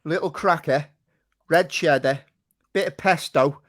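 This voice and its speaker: A man's voice: on the high side, a little slow, dry recording, clean studio sound. A middle-aged man with an English accent hosting a podcast in a jokey, matey, casual way with plenty of slang. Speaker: podcast host reading listener questions. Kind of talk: casual chat.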